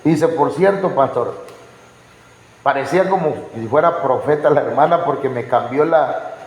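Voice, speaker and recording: A male pastor gives a testimony sermon, telling his story with lively acted-out dialogue. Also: mid-range voice, brisk. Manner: animated storytelling, acts out quoted dialogue. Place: church hall. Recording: echoey church hall with long reverb.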